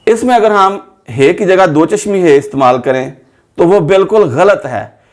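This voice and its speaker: A man's voice: high voice, animated, normal speed. A man with a Pakistani Urdu accent teaching a spelling lesson, spelling words out letter by letter and drawing out each example word. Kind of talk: slow, methodical spoken lesson.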